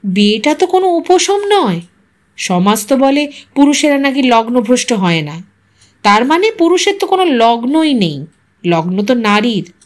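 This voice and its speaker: A woman reading a scripted story as narrator, in an expressive, reflective way. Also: on the high side, moderate pace.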